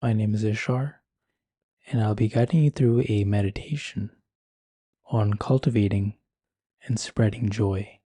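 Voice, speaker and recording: Low, mellow, husky man guiding meditation. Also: dry recording. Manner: calm, soothing, unhurried with long pauses. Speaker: meditation guide. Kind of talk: guided meditation, slow scripted instruction.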